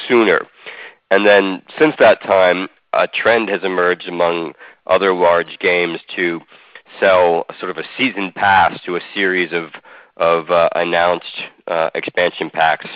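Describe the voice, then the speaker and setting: Deep-voiced analyst rambling over a dry phone line. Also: male voice, dry recording. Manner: long-winded, hesitant, many restarts. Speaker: financial analyst asking a question. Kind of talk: conference call question. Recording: dry muffled phone-in audio.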